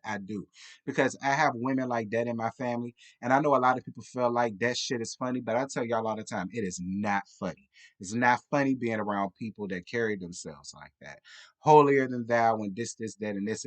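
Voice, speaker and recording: A man with an American accent delivers casual comedic commentary as a reviewer. He is blunt and sassy, leaning on slang. His delivery rambles in a loose, tipsy way, with an average pitch for a man. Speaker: reality TV reviewer.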